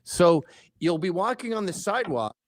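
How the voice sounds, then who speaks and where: A man's voice: high-pitched, sing-song, moderate pace, no echo, studio quality. A man in his fifties, a guest on a casual livestream chat, who tells rambling, joking stories and swears freely. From Canada. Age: 50s. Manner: profane, rambling, joking storyteller. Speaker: podcast guest.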